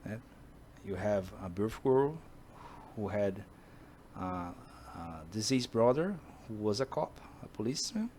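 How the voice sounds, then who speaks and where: A man from Brazil with a Brazilian Portuguese accent, a Portuguese speaker talking in English to camera, pitching a film based on his own books and pausing often to search for words. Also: sing-song, darkish tone, slight background noise. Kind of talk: casual monologue to camera.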